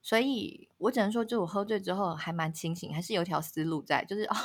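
Female podcast co-host, lively storyteller who laughs a lot. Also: fairly low pitch, fast talker, breathy edge. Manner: animated storyteller, laughs often, rises sharply at dramatic moments. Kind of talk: casual chat, telling a story.

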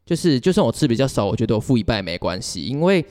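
A man's voice: medium pitch, sing-song, rapid-fire, darkish tone. A man with a Taiwanese Mandarin accent chatting casually as a podcast co-host and telling personal stories in a giggly, rambling way. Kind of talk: casual chat, personal storytelling. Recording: reverberant, hall-like sound.

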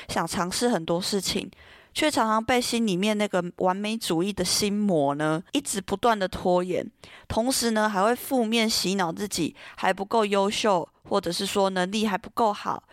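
A young woman from Taiwan, hosting a solo podcast and telling a personal story in a gentle, earnest way with many soft pauses. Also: medium pitch, dry recording, studio quality. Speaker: podcast host. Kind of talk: scripted solo podcast talk.

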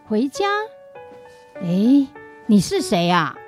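A woman's voice: mid-range voice, very animated, slow, a little mellow, faint music behind. A woman acting an affectionate, easily indignant, confused old woman with dementia in a radio drama. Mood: bewildered.

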